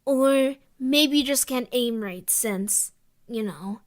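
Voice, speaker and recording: A woman's voice: fairly high pitch, slow. A woman playing a cheeky, defiant young boy in an audio drama, sarcastic and needling. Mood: cheeky taunting.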